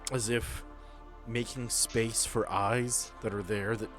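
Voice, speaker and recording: A man's voice: on the low side, fairly even intonation, takes it slowly, music in the background. A man speaking informally as game master, narrating a tabletop horror game. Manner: informal, profane.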